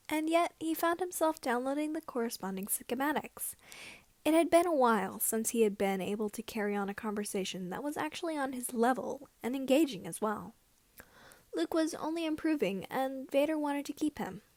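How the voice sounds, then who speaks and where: A woman reading scripted fan fiction as an amateur narrator, with slightly halting phrasing. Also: high voice, darkish tone, dry recording.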